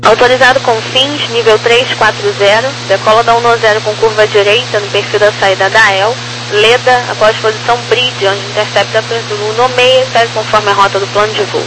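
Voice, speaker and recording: A Brazilian woman working as an air traffic controller, reading out clearances in set phraseology over two-way radio. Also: fairly high pitch, steady tone, a little fast. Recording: humming, noisy aviation radio.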